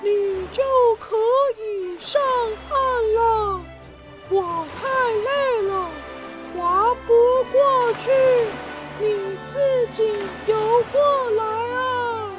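A woman's voice: very high voice, pitched above the performer's own voice, exaggerated voice, poor audio. A woman voicing a hot-tempered mother bird in a children's story, calling out word by word over music. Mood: weary, insistent. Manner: slow, word-by-word delivery.

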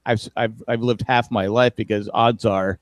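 A man's voice: on the low side, steady tone, moderate pace, no echo. A man in his fifties co-hosting a casual chat, rambling and correcting himself as he talks. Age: 50s. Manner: rambling, self-correcting, wry about aging. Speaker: podcast co-host.

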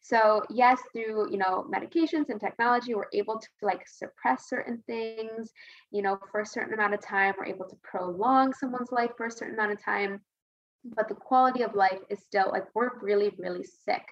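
A woman's voice: mid-range voice, steady tone, fairly quick, dull audio. A woman podcast guest talking casually and earnestly, rambling a little and repeating points for emphasis. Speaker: podcast guest, women's health advocate. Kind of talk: casual conversational interview answer.

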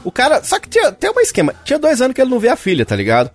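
A man co-hosting a casual comedic podcast, telling a story in animated style and acting out the characters. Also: extremely high pitch, very fast, no room sound, faint music behind. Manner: animated storytelling, acts out characters, laughs often. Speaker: podcast co-host.

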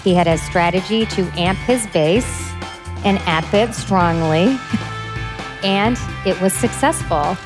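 Woman commentator, mid-pitch, measured analysis, clear music bed. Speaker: political commentator. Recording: music playing under the voice.

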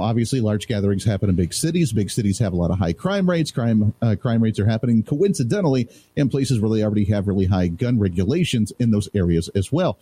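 A man's voice: fairly low pitch, warm tone, slightly rough. A man sitting in as a talk radio host, chatting loosely and laughing easily with his co-host. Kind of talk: casual talk radio chat.

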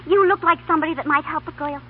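Woman acting brassy young american chorus girl, high voice, slangy n brash, tinny 30s radio comedy. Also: rapid-fire, lightly acted. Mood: hopeful, chatty. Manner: brash, slangy, plain-spoken. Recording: thin, noisy 1930s radio broadcast.

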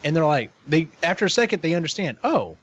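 A man in casual podcast chat who retells a story in an animated way and swears freely. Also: a little high, fast. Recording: dull lo-fi recording.

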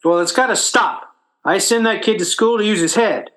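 A man's voice: high voice, moderate pace, fairly bright tone. A man acting a blustering, hapless working-class father in old-time radio comedy, stammering in folksy, ungrammatical talk. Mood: proud, pompous.

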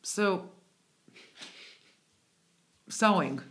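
A woman's voice: mid-range voice, lively intonation, drawn-out words, fairly bright tone. A woman guest from the United States, a native speaker of English and Hebrew, talking reflectively in a conversational interview. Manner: reflective, searching, with restarts.

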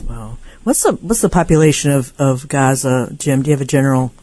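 A woman's voice: very deep voice, a little fast, dark tone, no room sound. A woman hosting a radio interview, asking questions and reading news items. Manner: inquisitive, reads news items. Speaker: radio show host.

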